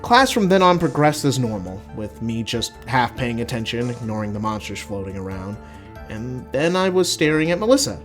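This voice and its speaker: A man giving an expressive, casual dramatic reading of his own first-person writing. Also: mid-range voice, moderate pace, soft background music. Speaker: writer reading own work.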